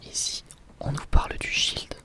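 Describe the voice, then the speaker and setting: A person whispering softly in a library-style ASMR manner, musing casually and unhurriedly while presenting a book. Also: measured pace.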